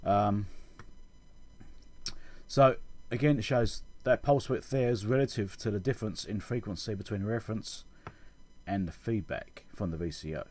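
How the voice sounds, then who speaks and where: A man giving an informal technical explanation as a channel host, halting and correcting himself as he thinks aloud. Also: on the low side, a little mellow. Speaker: electronics repair channel host.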